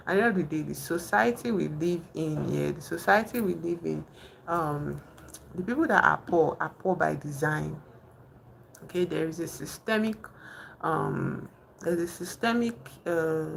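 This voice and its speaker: A young woman with a Nigerian accent talks casually on a home live stream, her voice low and gravelly. She thinks aloud, full of fillers and restarts, with a faint hiss underneath. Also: fairly bright tone, rough recording. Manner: chatty, thinks aloud with many fillers and restarts, reads viewers' comments. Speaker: livestream host.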